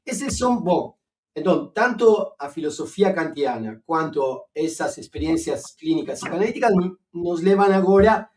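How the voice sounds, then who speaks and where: A man with an Argentine Spanish accent, speaking as a philosopher guest in a relaxed academic conversation. His voice sits fairly high, and he pauses on "eh" and restarts as he works through his ideas. He sounds a little distant from the microphone. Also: slight background noise. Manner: hesitant, many fillers and restarts, professorial.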